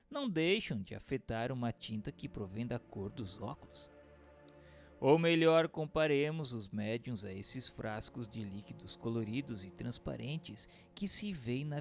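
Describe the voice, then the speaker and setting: A Brazilian man playing a learned, solemn spirit who instructs mortals in a declamatory, deliberate radio drama monologue. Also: medium pitch. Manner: declamatory, deliberate, emphatic phrasing. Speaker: voice actor in an audio book dramatization. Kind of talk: scripted radio drama monologue, didactic reading. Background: music.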